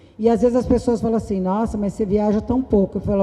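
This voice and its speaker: A woman speaks at a fairly quick pace and a fairly high pitch. Her voice is somewhat breathy, with a dark, mellow tone. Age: 60s. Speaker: business owner. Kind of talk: panel discussion.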